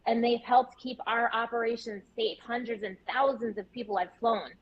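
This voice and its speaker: A woman's voice: on the high side, fairly even intonation, moderate pace. A woman guest on a live panel, speaking emphatically and repeating her key points. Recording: lo-fi remote call with faint noise.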